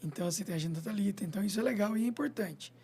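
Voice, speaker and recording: Um homem veterinário, convidado de uma entrevista de rádio, falando de forma descontraída e tagarela e pontuando as frases com "entendeu?". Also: male voice, sits high, racing, gravelly, darkish tone, breathy edge. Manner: chatty, repeats "entendeu?" and "né?", acts out little scenes. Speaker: veterinarian and clinic owner. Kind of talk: radio interview guest, casual chat.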